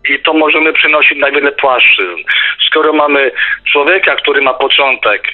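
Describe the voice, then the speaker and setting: Male radio discussion guest, middle-aged, fairly high voice, thin telephone sound, halting and repetitive thinker. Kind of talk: casual debate and musing. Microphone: phone or internet call. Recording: tinny phone line, faint music behind.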